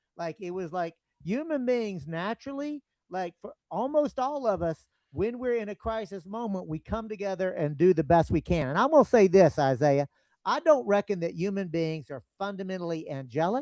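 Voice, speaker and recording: With an animated tone and a Texan accent, a man speaks at a high pitch with very wide pitch swings. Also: moderate pace, dry, close sound with no echo. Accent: Texan Southern US. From rural Texas, Gulf Coast. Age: 60s. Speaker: podcast host. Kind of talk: casual interview chat.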